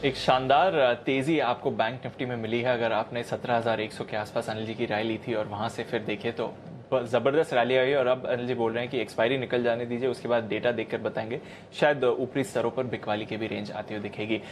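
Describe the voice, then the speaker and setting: A man's voice: medium pitch, steady tone, a little fast, hardly any pauses, slight background noise. A man anchoring live business news, recapping a trading call and putting questions to the analyst.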